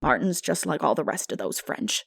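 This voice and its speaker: A stern, practical older woman from a storybook, voiced by a woman narrator. She speaks in a brisk, matter-of-fact, scolding way, exasperated but sensible, with a dry and close sound. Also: low voice, animated, vocal fry, breathy edge, no room sound, pitched below the performer's own voice, full character voice. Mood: disgusted. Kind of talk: dramatic audiobook character voice.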